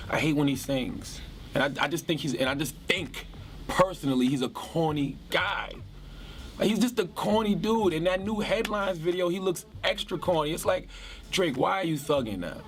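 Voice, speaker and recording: A man with a slightly high voice sharing a frank, teasing opinion in easy conversation. Faint noise hums in the background. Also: normal speed. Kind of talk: casual opinion commentary.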